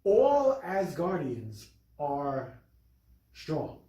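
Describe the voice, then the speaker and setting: A man in a casual film discussion, explaining in a halting way and repeating his phrases. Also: on the high side, huge pitch swings, dark tone. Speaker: podcast co-host. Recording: roomy, echoing room sound.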